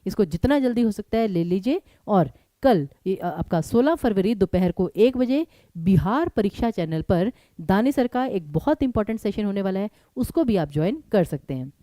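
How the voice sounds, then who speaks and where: A young woman teaching a live online exam-prep class. She talks briskly and keeps urging her students to answer quickly, mixing English words into her Hindi. Her voice is mellow and the sound is close and dry. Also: medium pitch, no echo.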